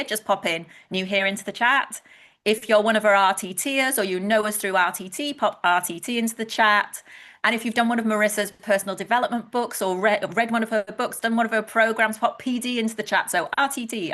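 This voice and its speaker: A woman's voice: medium pitch, a bit bright. A woman from Wales hosting a live online webinar, chatty and enthusiastic, welcoming viewers and reading out their messages. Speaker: webinar host, head of publicity.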